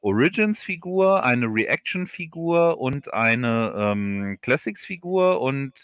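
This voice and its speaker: A man chatting casually as a guest author in a livestream interview, repeating words haltingly as he explains. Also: mid-range voice, lively intonation, a bit bright, clear, resonant tone, dry recording. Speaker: audio drama author, stream guest.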